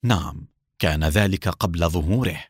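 A man voicing a calm, bitter older male doctor who speaks in measured, clipped phrases. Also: deep voice, husky, no echo, clean studio sound, pitched below the performer's own voice. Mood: cold, clipped.

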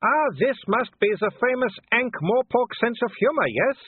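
A man voicing a cheerful, mocking male werewolf leader, taunting loudly. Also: very high-pitched, expressive, normal speed, slightly rough, phone-quality sound, voice pushed up, exaggerated voice.

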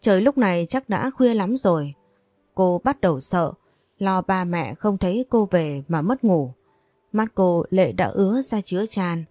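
Woman narrating a story, low and dry. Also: expressive, a little slow, mellow, dry recording, faint music behind.

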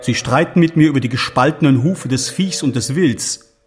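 Actor as a fervent early Christian zealot. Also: male voice, medium pitch, normal speed, soft background music, close to an everyday voice. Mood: indignant. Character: embattled, zealous male early Christian follower writing to his leader. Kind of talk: solemn radio drama monologue.

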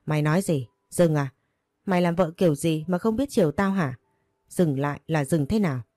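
A drunk, brutal young husband snarls and bullies, voiced by a woman reading a story. The voice stays low and dark. The sound is dry and close. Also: moderate pace, dry recording, soft background music, natural voice. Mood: snarling. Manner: snarling, bullying.

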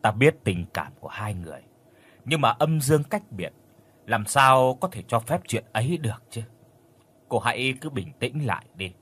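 A man's voice: mid-range voice, sing-song, normal speed, fairly bright tone, slightly rough. A man voicing a stern, solemn old village sorcerer who speaks firmly in a spoken ghost story. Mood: grave, firm. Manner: solemn, firm. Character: stern elderly male village sorcerer, grave.

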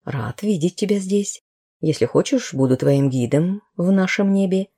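A woman voicing a seasoned male skydiver, a self-assured ladies' man who speaks in a lowered, matter-of-fact way. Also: animated, normal speed, warm tone, slightly rough. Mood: friendly.

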